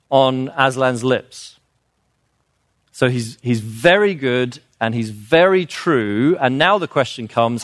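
In studio-quality audio with no room sound, a man of medium pitch lectures informally and earnestly about children's literature. He restarts sentences and uses fillers as he explains, growing emphatic on the points that matter most.

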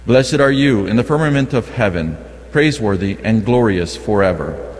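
A man's voice: on the low side, animated, normal speed, a little mellow. A man formally reading scripture and a canticle as lector in a large, echoing church. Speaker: lector at Mass. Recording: long echoing church reverb.

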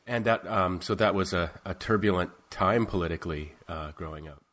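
A man hosting a podcast interview, asking questions in a measured way with frequent ums. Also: low-pitched, steady tone, a bit bright. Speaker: podcast host.

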